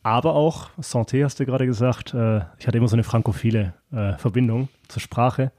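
A man's voice: medium pitch, brisk, warm tone, dry recording, studio quality. A young man hosting an interview podcast in a casual chat, chatty and eager, with frequent affirmations. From southern Germany. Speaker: podcast host.

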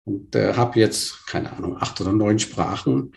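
A man's voice: lowish voice, unhurried, creaky, darkish tone, slight background noise. A man in his fifties, born in Burma, telling his life story as an interview guest, hesitant with many fillers and restarts. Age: 50s.

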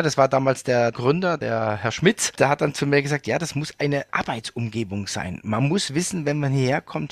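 A man hosting a casual conversation, chatty and often tagging his sentences with a quick affirming word. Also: mid-range voice, vocal fry, dry recording, clean studio sound. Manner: chatty, frequent "ja" fillers.

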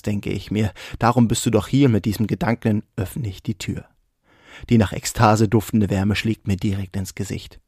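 A man's voice: on the low side, dark tone, dry recording, clean studio sound. A man performing his own spoken-word poetry in a rhythmic, vivid delivery, laughing off his own slips. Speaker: poet and podcast host.

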